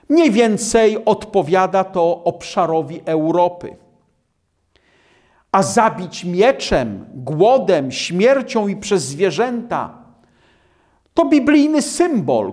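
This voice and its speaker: A man preaching a sermon on scripture in a slow, emphatic way, with dramatic drops in his voice. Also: high voice.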